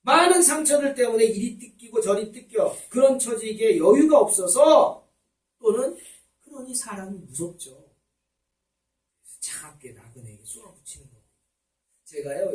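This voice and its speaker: 교회에서 설교하는 남자 목사로, 겪은 일을 이야기처럼 풀며 등장인물의 말을 흉내 낸다. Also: male voice, high voice, darkish tone, roomy sound, recorded from a distance, low-quality recording. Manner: storytelling, acts out quoted people. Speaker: pastor. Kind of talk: sermon. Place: church sanctuary.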